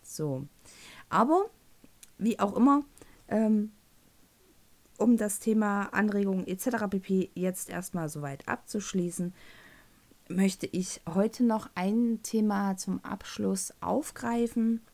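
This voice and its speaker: A woman's voice: medium pitch, slow, darkish tone. Chatty woman with a Thuringian lilt. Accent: Thuringian German. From North Rhine-Westphalia, Germany. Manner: rambling, with fillers and self-corrections. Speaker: podcast host. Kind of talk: casual solo podcast talk.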